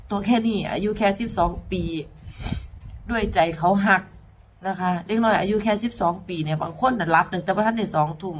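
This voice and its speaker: A woman's voice: mid-range voice, slight background noise. A woman singer with an Isan accent, telling a personal story in tears and pleading earnestly with her listeners. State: tearful. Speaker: mor lam singer.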